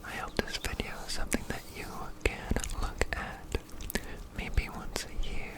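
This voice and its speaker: A man whispering a gentle, earnest ASMR pep talk, offering encouraging affirmations as a creator speaking to viewers. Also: unhurried.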